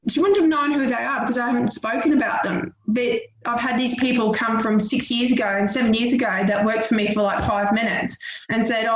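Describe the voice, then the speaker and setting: A woman, emotional and near tears, telling her story in a rushed, upset way as an interview guest. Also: a little high, echoey room, highs cut off, slight background noise. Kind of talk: phone interview.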